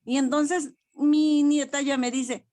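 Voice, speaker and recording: A woman's voice: high-pitched, steady tone, takes it slowly, warm tone, no echo, clean studio sound. An older woman with a Mexican accent, sharing a personal spiritual testimony in a frank, self-deprecating way and laughing often. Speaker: study group participant.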